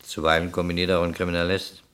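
An actor playing a probing, quietly relentless police detective in a German crime radio play, with dry, pointed questioning. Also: male voice, low voice, monotone, fast, clear, resonant tone. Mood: quietly cornering.

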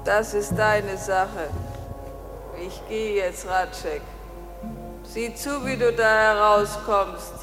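An actress playing a cold, insistent woman who gives measured orders and goads in a crime radio play. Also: medium pitch, fairly even intonation, long reverb tail, over music, lightly acted. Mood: coldly taunting. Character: cold, commanding, goading woman accomplice.

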